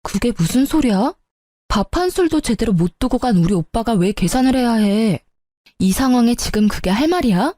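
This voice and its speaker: A woman's voice: on the high side, expressive, normal speed, warm tone, no echo. A woman narrating a first-person story for story radio, telling it with indignation.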